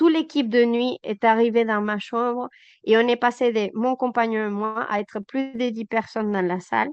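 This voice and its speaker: Fairly even in intonation, a woman with a South American accent talks at a fairly high pitch and a moderate pace. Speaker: doula. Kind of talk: interview answer.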